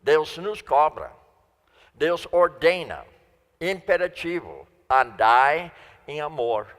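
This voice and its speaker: A man's voice: on the high side, big pitch swings, slow pace, a bit bright. A man preaching a sermon in Portuguese, which is not his first language, stressing and repeating key phrases. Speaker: guest preacher. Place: church sanctuary. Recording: long church reverb.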